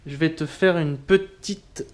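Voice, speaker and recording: A cooking instructor with a slightly high voice casually shows off kitchen tools, chatty and informal, often pausing on fillers. The recording is very noisy.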